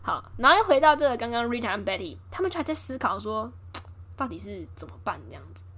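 Lively high-voiced young woman storyteller. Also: fast, slight background noise. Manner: lively, acts out quotes with voice shifts and laughs. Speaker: host retelling a film. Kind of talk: casual storytelling chat.

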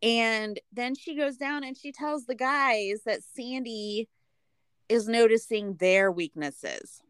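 A woman's voice: fairly high pitch, slow pace, a bit bright, clean tone, dry recording, studio quality. An American woman co-hosting a podcast in a casual, conversational recap style. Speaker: podcast co-host.

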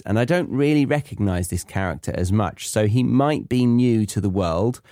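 A man's voice: lowish voice, warm tone, no echo, clean studio sound. A man hosting a podcast for learners, explaining things in a chatty way. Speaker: podcast host for language learners. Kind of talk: casual explanatory monologue.

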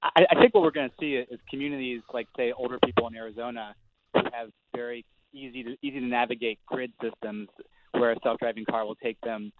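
A man's voice: medium pitch, steady tone, quick pace. A male reporter speaking as a guest in a panel discussion, hesitant with many fillers and restarts. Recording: tinny phone line with clear noise.

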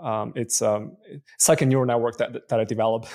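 Male investor guest from Canada, Chinese first language, gravelly voice, thinks out loud. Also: medium pitch, little pitch movement, fairly quick. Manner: thoughtful, frequent fillers and restarts. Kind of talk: conversational interview answers.

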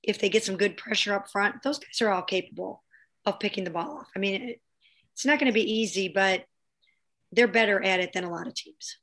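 A woman with a hoarse voice from losing it, giving football predictions on a podcast. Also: medium pitch, a little fast, fairly bright tone. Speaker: podcast panelist. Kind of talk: casual sports podcast chat.

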